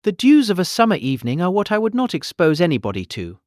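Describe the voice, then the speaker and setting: An actor playing a fretful, gentle elderly gentleman, fussy and plaintive, in a period comedy audiobook. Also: sits high, wildly swooping pitch, quick pace, no echo, clean studio sound. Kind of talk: audiobook character acting, period comedy of manners.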